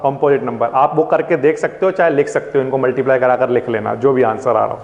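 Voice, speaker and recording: Quick-paced and steady in tone, this man's mid-range voice is creaky and a little mellow. He runs a maths lesson in Hindi mixed with English, questioning his pupils and answering on their behalf. The recording is a dull, echoey classroom one.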